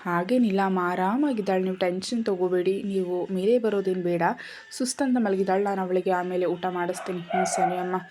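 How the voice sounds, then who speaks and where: A woman voicing a tender, caring young husband in a storybook reading, speaking gently and coaxingly. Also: lowish voice, steady tone, brisk, natural voice.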